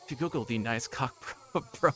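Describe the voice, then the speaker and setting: A man with a mid-pitched voice commentates casually on a livestream. He talks in a halting, repetitive way, as if explaining things to his viewers off the cuff. Faint noise and ambience sit behind his voice. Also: fairly bright tone. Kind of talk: casual livestream commentary on a visual novel, reading aloud and explaining.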